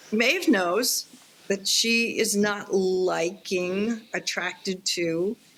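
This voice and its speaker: Against noticeable background noise, a woman speaks very slowly at medium pitch with ordinary pitch variation. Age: 60s. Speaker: novelist. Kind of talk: casual interview conversation.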